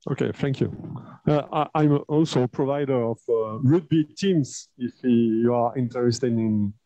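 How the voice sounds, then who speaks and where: A man's voice: medium pitch, normal speed, dark tone, no room sound, lo-fi sound. A man speaking informally as an audience member putting a question.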